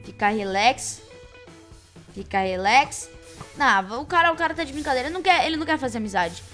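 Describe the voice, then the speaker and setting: A woman with a Brazilian Portuguese accent hosting a let's-play, excitable, shrieking and teasing as she plays. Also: sits high, very fast, faint music behind. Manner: excitable, shrieks and shouts at game events, playful teasing. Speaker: gaming channel host. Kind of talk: let's-play game commentary.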